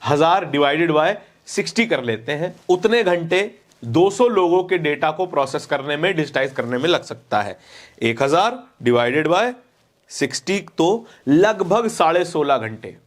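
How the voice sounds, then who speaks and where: A man's voice: a little high, expressive, moderate pace. A man presenting opinionated news commentary, speaking emphatically with repeated phrases and rhetorical questions.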